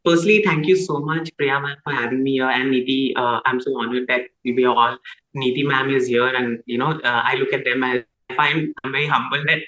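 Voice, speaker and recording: A woman's voice: extremely low pitch, steady tone, a bit bright. Reflective young trans woman, roomy echo. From Dubai. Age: young adult. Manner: reflective, thoughtful, often pauses and restarts, many "like" and "you know". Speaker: guest, trans writer and content creator. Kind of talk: personal storytelling in a TV interview.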